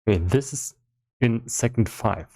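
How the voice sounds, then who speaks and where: A man giving casual live-stream commentary as he works on a game, thinking aloud in a halting way with repeated words. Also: mid-range voice, expressive, a little mellow. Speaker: solo game developer streaming.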